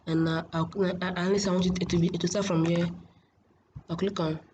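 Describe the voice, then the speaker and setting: A woman giving a casual software tutorial in a hesitant, repetitive, halting way, as a host. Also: on the low side, flat delivery. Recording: muffled, noisy home screen recording.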